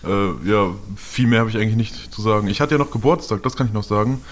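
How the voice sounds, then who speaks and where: A man's voice: on the low side, fast. Laid-back podcast co-host man. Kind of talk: casual group chat.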